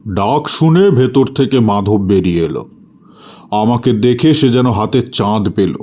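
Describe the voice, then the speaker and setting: Slow, dark-voiced man narrating horror. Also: on the low side, lively intonation. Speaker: storyteller. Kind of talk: dramatic first-person horror story narration. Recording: music bed under the voice.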